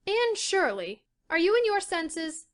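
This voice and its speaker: Woman doing a high, lively young friend. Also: slow pace, heavily acted. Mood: astonished.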